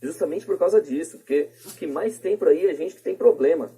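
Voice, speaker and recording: A man with a Brazilian accent talks casually in a podcast discussion. His voice is soft-edged and dark, with some huskiness, and his phrasing is colloquial, often seeking agreement. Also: a little high, fairly quick, slightly rough. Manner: colloquial, seeks agreement with tag questions. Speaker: podcast speaker.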